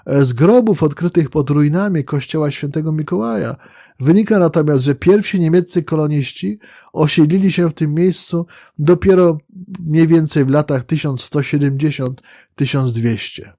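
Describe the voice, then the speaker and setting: A man with a fairly high yet dark, mellow voice delivers a measured history lecture, often pausing on fillers and restarting phrases. The recording is dry and a little muffled, with no room sound. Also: dry recording. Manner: measured, explanatory, with fillers and self-corrections.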